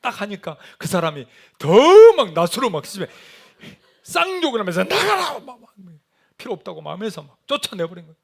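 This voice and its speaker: Middle-aged guy pastor preaching, high voice, acts out the shouty bits, super animated. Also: fast, vocal fry, slightly rough. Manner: animated storytelling, acting out shouted quotes. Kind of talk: sermon.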